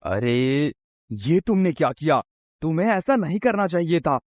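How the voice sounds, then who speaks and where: A man's voice: a little high, sing-song, a little slow, a little mellow, no echo. A man voicing a sensible farmer husband in a cartoon story who warns and lectures his wife. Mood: scolding. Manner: lecturing, cautioning.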